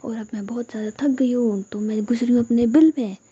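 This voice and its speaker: A woman's voice: on the high side, steady tone, a little fast, warm tone, breathy edge, muffled recording. A woman voicing a playful young woman in love, with a dramatic, sulky way of talking.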